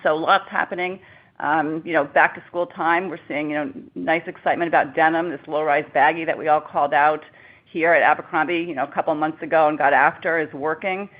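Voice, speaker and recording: A woman's voice: low-pitched, fairly even intonation, fairly quick. A woman speaking as a chief executive on an earnings call, giving upbeat business answers over a narrow phone line. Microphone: conference call line.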